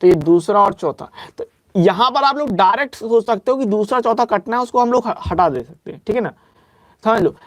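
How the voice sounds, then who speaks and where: An expressive, high-pitched young man teaches an exam-prep maths lecture in a dry recording. He drills reminders to be careful while solving sums aloud step by step, dictating formulas slowly and delivering asides faster.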